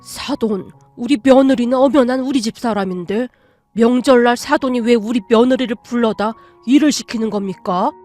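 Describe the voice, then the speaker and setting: A woman's voice: fairly high pitch, moderate pace, a little mellow, soft background music, lightly acted. A woman voicing an angry, protective older father-in-law who scolds in a raised voice. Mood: stern, indignant.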